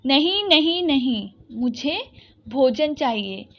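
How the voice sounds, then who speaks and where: A grumpy, hungry male lion from a storybook, voiced by a woman teacher. He refuses every offer and growls his demands, speaking slowly in a high voice. The recording is dull and lo-fi. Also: expressive, exaggerated voice.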